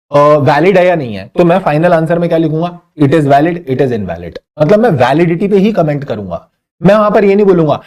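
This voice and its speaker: Male law tutor, mellow tone, fairly high pitch, chatty exam-prep lecture, slow careful reading of questions. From Punjabi family. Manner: lively and conversational, reads question text slowly, teasing asides. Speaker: law teacher. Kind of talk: exam-prep lecture, mixing Hindi and English.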